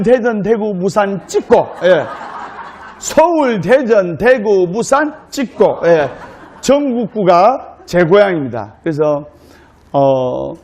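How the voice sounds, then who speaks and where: A male Buddhist monk giving a humorous dharma talk to a live audience, telling a story in a jokey, lively way. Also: sits high.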